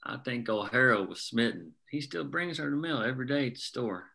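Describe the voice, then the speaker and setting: A man plays an easygoing, protective family man in a small-town drama table read. His voice is bright and mid-pitched, his manner plainspoken. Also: animated, brisk, gravelly. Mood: amused.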